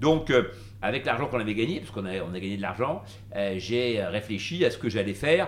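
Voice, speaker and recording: A man with an unremarkable speaking voice talks at a fairly quick pace. His pitch is fairly low, and his intonation is lively. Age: 50s. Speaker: entrepreneur. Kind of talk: interview.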